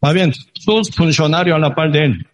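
A man preaching a sermon that retells a Bible story, halting and peppered with tag questions. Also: fairly high pitch, dull audio.

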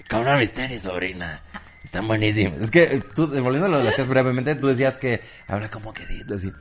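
A man's voice: medium pitch, sing-song, fairly quick. A man with a Mexican accent co-hosting a comedy podcast, joking, laughing often and slipping into impressions. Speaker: podcast co-host. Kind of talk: casual comedy chat.

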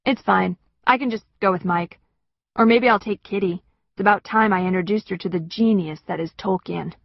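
A woman's voice: medium pitch, moderate pace, creaky, no room sound, highs cut off. A woman voicing a friendly, easygoing teenage boy with a breezy manner.

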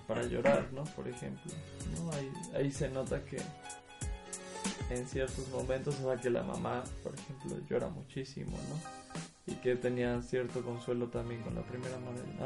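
A man co-hosting a podcast who reflects on a film in a relaxed, conversational way. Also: medium pitch, vocal fry. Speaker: podcast co-host. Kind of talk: casual film discussion.

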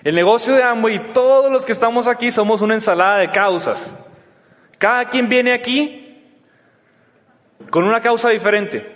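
A Mexican man with a high voice gives an energetic motivational talk on a stage. He speaks in casual slang and acts out short exchanges between people. His voice rings with the long reverb of a large event hall. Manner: energetic, acts out dialogues with slangy colloquial Spanish.

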